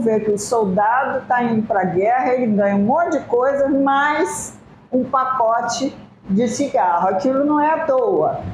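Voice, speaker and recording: A woman speaks very slowly with lively intonation and a fairly high pitch, and some room echo can be heard. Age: 60s. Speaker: pulmonologist. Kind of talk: lecture. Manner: halting.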